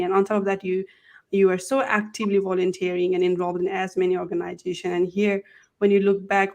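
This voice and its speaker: A woman hosting an online interview show, welcoming viewers and introducing her guest with frequent fillers. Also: mid-range voice. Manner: warm welcoming, hesitant with fillers. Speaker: host.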